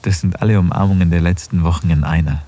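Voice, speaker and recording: An actor playing an affectionate married man in an intimate audio drama, speaking softly and close to a whisper. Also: low-pitched, fairly even intonation, quick pace. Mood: tender. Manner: soft, intimate, often near a whisper. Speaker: husband in an erotic audio drama.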